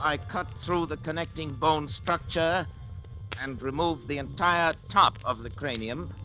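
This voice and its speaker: An actor playing a guilt-ridden scientist father, narrating his crime in grave, measured tones, in a vintage radio drama. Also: mid-range voice, close to an everyday voice. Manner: hushed, coaxing with his son, then solemn confessional narration. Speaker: doctor and narrator. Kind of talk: 1940s radio drama acting. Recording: old radio broadcast with music bed.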